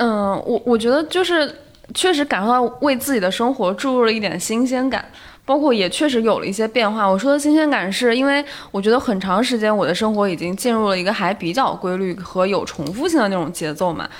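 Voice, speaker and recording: Fairly high-pitched, with lively intonation, a woman talks at a fairly quick pace in a plain, everyday voice. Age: 20s. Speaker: podcast panelist on career break. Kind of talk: casual chat.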